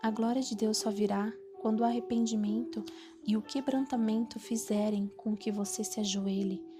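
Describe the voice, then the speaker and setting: A woman with a Brazilian Portuguese accent reading a Christian devotional audiobook in an earnest, steady way. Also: on the high side, normal speed. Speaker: audiobook narrator. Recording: reading over clear background music. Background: music.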